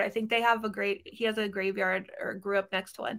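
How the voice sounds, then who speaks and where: The woman's voice sounds bright and sharp. She talks at a moderate pace. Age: 40s. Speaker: horror book reviewer and author. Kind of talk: casual chat.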